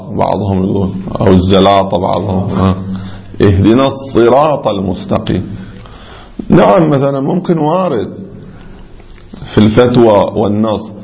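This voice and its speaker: A man's voice: on the low side, gravelly. A male seminary teacher, giving a religious law lecture and explaining step by step, often repeating examples and sounding out letters. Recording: dull lo-fi recording.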